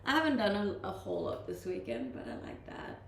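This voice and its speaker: This laid-back streamer, a young Danish woman, speaks at a fairly low pitch with huge pitch swings, briskly and with a gravelly edge. Living abroad has mixed her slight Danish accent. She chats with viewers about their live comments and laughs often, in an echoey room with faint background noise.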